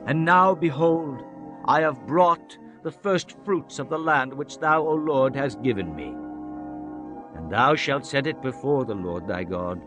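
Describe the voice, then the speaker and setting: A man's voice: medium pitch, animated. Solemn male scripture narrator over music. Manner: solemn, measured, declamatory. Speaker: audiobook narrator. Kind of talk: dramatized scripture reading, archaic English. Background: background music.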